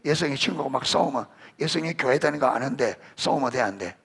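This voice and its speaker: A middle-aged man preaching, his voice gravelly and a touch husky, rising and falling across a wide range. He keeps firing questions at his listeners and calls children out by name to answer. The delivery is a warm, conversational sermon. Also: medium pitch, fast. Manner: animated, rising emphasis on scripture. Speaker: pastor.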